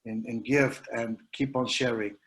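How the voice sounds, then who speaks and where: A man from Mexico, speaking English as an on an online panel, earnest and halting with many restarts. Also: medium pitch, fairly even intonation, a bit bright. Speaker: educator panelist.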